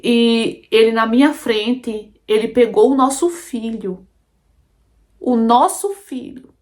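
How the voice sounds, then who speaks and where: A woman's voice: a little high, slow pace, darkish tone. A Brazilian woman narrating a dramatic first-person story, emotional and intense, often turning to her listeners directly. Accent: Brazilian Portuguese.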